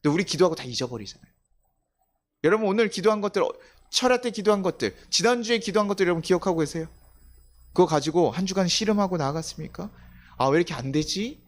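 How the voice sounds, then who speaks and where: Male pastor, sermon, high-pitched, conversational, rhetorical questions. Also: animated, fast. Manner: acts out quoted voices of children and God.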